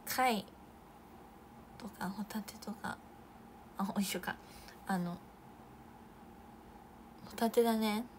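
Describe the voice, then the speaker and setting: A young Japanese idol woman chatting casually on a live stream, reading viewer comments with bursts of excitement and soft asides. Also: mid-range voice, takes it slowly, pauses often, a little hiss or hum.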